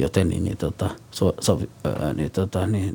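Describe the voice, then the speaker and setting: A man with a Somali accent speaks at a moderate pace. His intonation is lively. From central Somalia. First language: Somali (speaking Finnish). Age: 50s. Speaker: Somali immigrant interviewee. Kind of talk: personal testimony interview. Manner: halting with many fillers.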